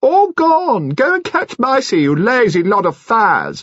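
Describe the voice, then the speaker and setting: Here a man puts on a character voice at an extremely high pitch. It has very wide pitch swings and a fairly slow pace. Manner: brisk, scolding.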